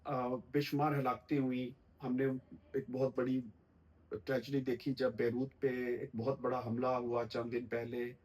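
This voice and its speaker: Middle-aged guy, calm formal political analysis, lots of little uh pauses, mid-pitched voice. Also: rough recording. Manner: measured, formal vocabulary, frequent "uh" pauses. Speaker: political commentator guest.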